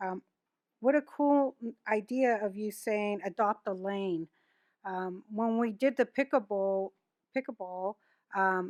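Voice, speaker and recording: Recorded very cleanly against a silent background, with a dry, close sound and no echo, a woman talks at a fairly slow pace in a fairly high pitch with ordinary pitch variation. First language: not English. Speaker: city council member. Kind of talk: council meeting remarks. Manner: halting.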